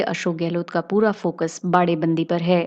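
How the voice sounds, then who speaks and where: Over a quiet background, a woman talks at medium pitch in an unremarkable speaking voice. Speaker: news presenter. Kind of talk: news bulletin read.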